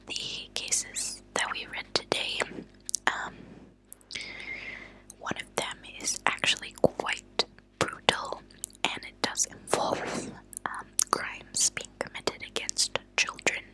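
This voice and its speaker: A woman whispers softly and breathily in an ASMR style, with a crisp, bright edge to the sound. She takes her time, speaking very slowly and deliberately with hushed pauses, like a host reading to her listeners. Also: low-quality recording. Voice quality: soft, breathy unvoiced whisper. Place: at a desk indoors.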